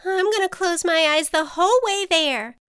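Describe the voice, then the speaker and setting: A woman's voice: high-pitched, big pitch swings, takes it slowly, a bit bright, no echo, studio quality, pitched above the performer's own voice, full character voice. A woman voicing a timid, stubborn female butterfly in a children's storybook, with an anxious, protesting and exclamatory manner. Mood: nervous.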